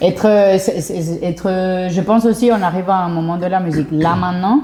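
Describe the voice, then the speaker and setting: With a Colombian accent, a woman speaks at a moderate pace in a fairly low voice. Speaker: singer-songwriter. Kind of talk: casual chat.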